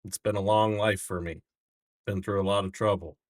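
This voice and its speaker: Deep-voiced man acting as a jaded prisoner, blunt, resigned, halting, tabletop fantasy game, close dry sound. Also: steady tone, no room sound, lightly acted. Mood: weary, resigned. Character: weary, unrepentant prisoner adventurer, fed up and resigned.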